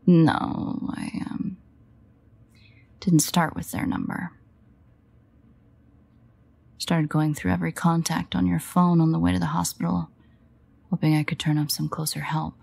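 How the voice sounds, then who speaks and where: Woman doing a sardonic vampire lady for audio roleplay, raspy n full of fry, awkward and dry-witted but fond underneath. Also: low voice, flat delivery, moderate pace, a little mellow, heavily acted. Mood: sheepish. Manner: wry, hesitant, sweary. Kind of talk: intimate audio roleplay monologue.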